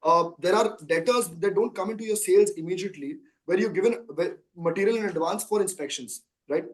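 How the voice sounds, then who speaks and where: A company chief executive in his thirties, with an Indian accent, fields earnings call questions at length, emphatic and leaning on rhetorical questions. His voice is high and brisk, and the audio is poor.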